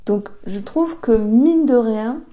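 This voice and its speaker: A woman giving an intuitive tarot reading for a star sign, talking slowly and reflectively with many pauses and hesitations. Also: on the high side, lively intonation, warm tone. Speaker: tarot reader.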